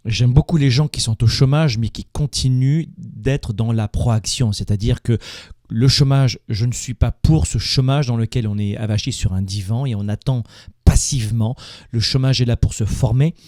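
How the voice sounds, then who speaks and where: A man's voice: medium pitch, normal speed, a little mellow, dry recording, clean studio sound. A man hosting a motivational call-in show, speaking emphatically and repeating words as he builds a point. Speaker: host taking live calls.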